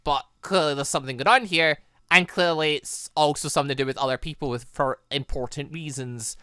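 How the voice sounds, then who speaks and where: A man's voice: fairly high pitch, fairly quick, bright, forceful tone, clear, resonant tone, dry recording, clean studio sound. A young man doing casual game commentary, rambling and trailing off into nonsense syllables. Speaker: gaming channel host. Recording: music behind the voice.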